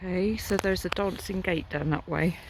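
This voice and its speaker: This is a woman speaking. She has a southern English accent. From southern England. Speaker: vlogger. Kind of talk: casual walking vlog monologue. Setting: outdoors on a countryside walk. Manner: hesitant, many fillers.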